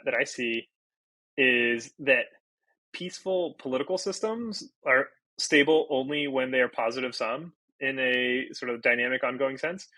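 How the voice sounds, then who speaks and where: A man's voice: mid-range voice, sharp tone, no room sound, low-quality recording. A Portuguese-native man from Brazil, a podcast guest, talking casually and thinking aloud with many fillers and restarts. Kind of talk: casual interview talk.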